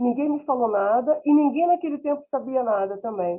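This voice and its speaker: Lively intonation in a woman's high voice. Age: 60s. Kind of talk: lecture. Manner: animated.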